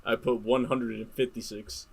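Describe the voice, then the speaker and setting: A woman's voice: a bass voice, little pitch movement, moderate pace, vocal fry, crowd noise. A woman bantering casually as a game contestant, playfully emphatic and prone to repeating her phrases. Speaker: trivia game contestant and cast member.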